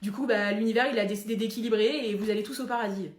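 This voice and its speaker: A woman's voice: medium pitch, steady tone, fast talker, reverberant, natural voice. A woman voicing a blunt, sarcastic receptionist at the gates of heaven.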